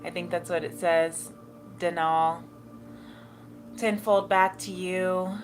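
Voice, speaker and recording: A woman speaking as a gentle, mystical spiritual healer, guiding listeners in an unhurried meditative way with long pauses. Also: lowish voice, steady tone. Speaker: spiritual livestream host. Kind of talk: slow guided spiritual meditation talk and card reading. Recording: music playing behind the voice. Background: music.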